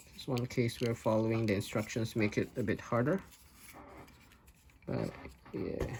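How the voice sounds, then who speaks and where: With a non-native accent, the speaker moves at a moderate pace broken by long, frequent pauses. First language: not English. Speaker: toy reviewer YouTuber. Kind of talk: casual build commentary. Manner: hesitant, with fillers.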